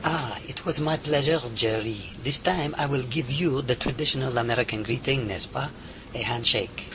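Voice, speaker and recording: A man's voice: medium pitch, normal speed, natural voice. A man doing an effusive French scientist. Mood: warm. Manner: effusive, kisses greetings, broken English. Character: affectionate French lab scientist, excitable. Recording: noisy home-made audio drama.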